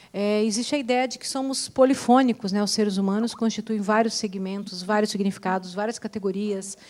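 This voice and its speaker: This is a woman with a plain, everyday voice. Her pitch is fairly high, and her intonation is fairly even. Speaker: psychologist, council panelist. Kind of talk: panel discussion answer. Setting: event hall with audience, streamed online.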